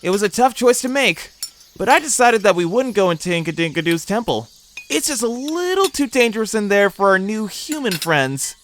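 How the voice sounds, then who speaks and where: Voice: medium pitch, big pitch swings, moderate pace, fairly bright tone, a little hiss or hum. A performer voicing a young male ape heir in an audio drama, eager, whiny and petulant, pleading to be taken seriously. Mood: earnest, proud.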